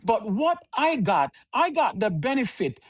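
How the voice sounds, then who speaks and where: A man, a podcast guest who speaks in a measured, preaching cadence with repeated phrases. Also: very high-pitched, very animated. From Jamaica. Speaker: podcast guest, organization leader. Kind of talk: earnest conversational interview answers.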